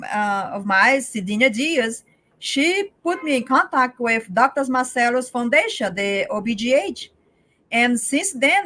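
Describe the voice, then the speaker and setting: Earnest woman, somewhat high. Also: fairly bright tone. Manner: earnest, halting, many restarts. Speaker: interview guest, advocate. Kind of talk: casual interview talk.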